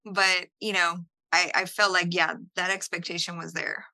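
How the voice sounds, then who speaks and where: A woman with a very bright, forceful voice talks through her answers in a chatty, unpolished way, often restarting her words. The recording is dry and close, with no room sound. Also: on the low side, little pitch movement, moderate pace, gravelly, dry recording, poor audio. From El Salvador, raised in Houston. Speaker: podcast guest. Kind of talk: conversational interview answers.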